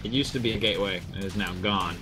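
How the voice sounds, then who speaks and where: A man co-commentating a strategy game in a relaxed, casual style, often pausing and hedging as he talks. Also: low-pitched, over music. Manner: relaxed, hesitant, many fillers. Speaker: esports commentator.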